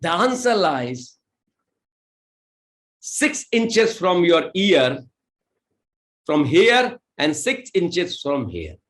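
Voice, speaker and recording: A direct selling leader with an Indian English accent gives a motivational seminar talk in a slightly high, sing-song, somewhat bright voice. He speaks slow, deliberate English, switches into rapid Hindi, and rallies the audience with questions.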